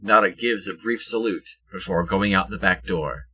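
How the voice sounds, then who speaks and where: Bright, low-pitched man narrating. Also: normal speed, husky. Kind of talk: scripted narration of an audio drama.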